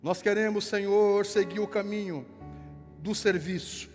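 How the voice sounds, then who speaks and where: Fervent high-voiced gaúcho pastor. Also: male voice, darkish tone. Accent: gaúcho Brazilian Portuguese. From Rio Grande do Sul, Brazil. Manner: fervent, drawn-out prayer lines, playful banter. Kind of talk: prayer and church announcements. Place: church sanctuary with worship music. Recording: reverberant hall with music behind.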